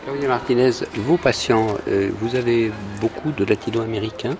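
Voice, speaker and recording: A man's voice: mid-range voice, normal speed, music in the background. A man interviewing guests for a radio documentary, asking long, winding questions.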